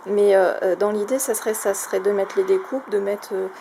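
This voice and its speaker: A woman's voice: mid-range voice, level tone, a little fast, vocal fry, warm tone. A woman casually showing a craft shopping haul, talking in a chatty, hesitant way with many fillers. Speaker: craft vlogger. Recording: noisy home recording.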